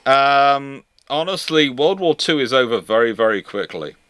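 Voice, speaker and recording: A male host chats through viewer questions in a bright, forceful voice. He often stammers and repeats words before landing a point. The sound is dry, with little room around it. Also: medium pitch, expressive, moderate pace, no room sound. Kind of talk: live question-and-answer chat on naval history.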